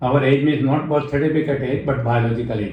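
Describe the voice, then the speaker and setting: Audible room echo surrounds a man's somewhat breathy, fairly high-pitched voice with fairly even intonation. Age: 70s. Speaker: motivational trainer and author. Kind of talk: interview.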